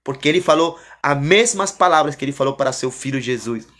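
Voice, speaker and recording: A man giving an emotional religious testimony as a preacher, fervent and repetitive, often rising and then falling soft. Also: medium pitch, animated, fairly quick.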